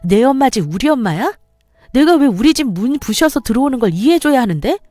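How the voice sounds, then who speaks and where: A woman's voice: high-pitched, big pitch swings, fairly quick, warm tone, dry recording, soft background music, voice pushed up. A woman voicing a fed-up young wife who argues back in a heated, raised voice. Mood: angry. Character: fed-up young wife, sharp-tongued and defiant.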